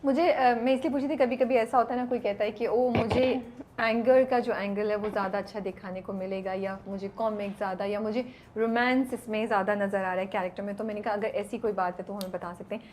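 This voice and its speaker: A woman's voice: mid-range voice, fairly even intonation, brisk, darkish tone, a little hiss or hum. A woman hosting an interview, asking long questions in a mix of Urdu and English. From Pakistan. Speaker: interviewer host. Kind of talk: casual interview.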